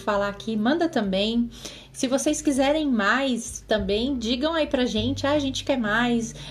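Over noticeable background noise, a woman talks at a moderate pace with a high pitch and ordinary pitch variation. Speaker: co-host. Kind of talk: live stream talk.

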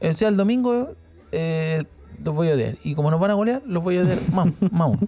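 Speaking with a Chilean accent, a man uses a high, dark and mellow voice with lively intonation and very even loudness. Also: moderate pace. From Chile, Santiago. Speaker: football fan podcast co-host. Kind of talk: casual chat.

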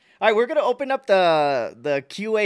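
A man with a normal speaking voice, lively intonation and a moderate pace, in a very clean recording against a silent background. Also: dry, close sound with no echo. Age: 30s. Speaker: podcast host, streamer. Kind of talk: casual chat.

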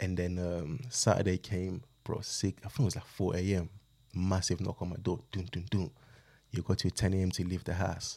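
Very deep, low male voice with a dark, mellow tone in a London accent, on a very clean recording with a silent background. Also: fairly even intonation, moderate pace. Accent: London English (multicultural London). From London (moved from Congo at 10). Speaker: property investor and author. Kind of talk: casual interview.

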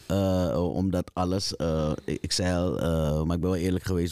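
Speaking fairly slowly, a man with a very deep, low voice is heard in a dry, close sound with no echo, on a very clean recording with a silent background. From Randstad, Netherlands. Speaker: podcast host. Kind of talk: casual chat. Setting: studio.

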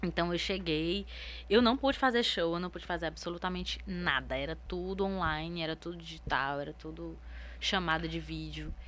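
A woman talks in a Cearense accent. Her pace is moderate. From Ceará, Brazil (Fortaleza). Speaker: singer and actress. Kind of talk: casual interview. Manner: animated.

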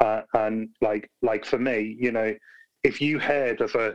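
His pitch is medium for a man and his intonation fairly even. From Liverpool, England. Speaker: youth pastor. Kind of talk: panel discussion.

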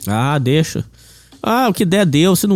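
Speaking at a moderate pace, a man delivers his words with lively intonation. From Minas Gerais, Brazil. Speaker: podcaster, literature student. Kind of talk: casual chat.

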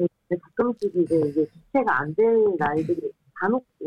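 A woman speaks at a fairly slow pace. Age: 20s. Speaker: caller. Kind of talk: personal testimony. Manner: halting.

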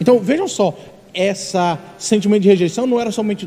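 Male speech at a moderate speed over noticeable background noise. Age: 30s. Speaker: pastor. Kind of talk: bible study teaching.

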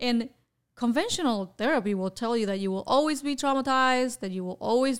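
A woman with a Spanish accent speaks at a fairly quick pace with ordinary pitch variation, in a very clean recording with a silent background. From Cuba (Havana). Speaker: podcast host, life coach. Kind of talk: personal storytelling monologue.

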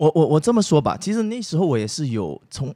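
A man at a moderate pace, very wide pitch swings, and a dry, close sound with no echo. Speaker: actor and TV host. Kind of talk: casual interview chat.

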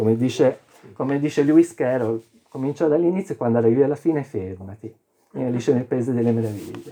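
Pitch variation is ordinary. The delivery runs at a very fast pace. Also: man, medium pitch for a man. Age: 50s. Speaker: music presenter at a themed evening. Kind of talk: live talk with slides. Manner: halting.

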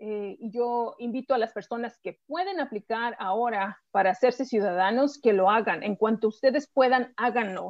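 Speaking with a Mexican accent, a woman uses a fairly high pitch, ordinary pitch variation and a moderate pace with hardly any pauses. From Mexico, Guanajuato. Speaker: nonprofit board member. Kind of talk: interview. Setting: video call. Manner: halting.

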